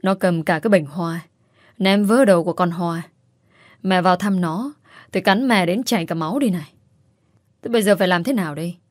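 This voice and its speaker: A woman's voice: on the low side, a little fast, long pauses, no echo, clean studio sound, natural voice. A woman doing a stubborn, domineering mother-in-law. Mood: insistent. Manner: nagging, insistent.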